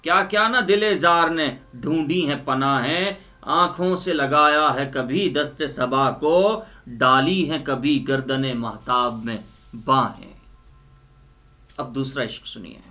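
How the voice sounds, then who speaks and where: A man's voice: mid-range voice, bright, forceful tone. A man giving a dramatic, emphatic poetry recitation and explanation, repeating lines for effect. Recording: music under the voice. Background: music.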